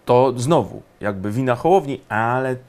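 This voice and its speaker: A man giving indignant, emphatic political commentary, often pausing on fillers. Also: medium pitch, a little mellow, clean tone.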